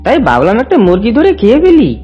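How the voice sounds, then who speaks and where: A woman voicing a stubborn, self-pitying cartoon fox with a husky, whiny, dramatic delivery. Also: fairly high pitch, huge pitch swings, fast talker, dark tone, heavily acted. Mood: tired, pleading. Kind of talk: cartoon voice acting. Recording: dull lo-fi audio, music behind.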